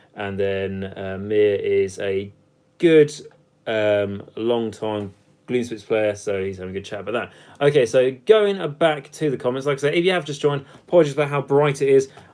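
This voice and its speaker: Intonation is lively as a man with a British accent talks at a medium pitch. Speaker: gaming YouTuber. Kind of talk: casual Q&A livestream. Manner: fast; mumbling at times.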